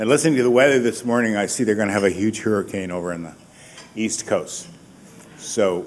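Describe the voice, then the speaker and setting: A man talks at a very fast pace in an American accent. His pitch is fairly low and varies in an ordinary way. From US West, San Diego County, California. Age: 70s. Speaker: county politician. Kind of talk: welcome speech. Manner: halting, many fillers.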